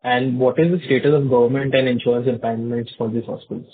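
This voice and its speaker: A man's voice: mid-range voice, flat delivery, quick pace. A man politely and somewhat hesitantly asking questions as an analyst on a conference call. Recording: narrow phone line, faint noise.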